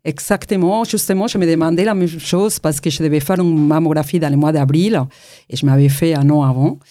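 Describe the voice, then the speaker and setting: A woman's voice: low voice, a little fast, dark tone, dry recording, clean studio sound. A middle-aged woman with an Argentine Spanish accent, a Spanish native speaker, telling her story as a guest, hesitant with many fillers. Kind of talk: personal testimony interview.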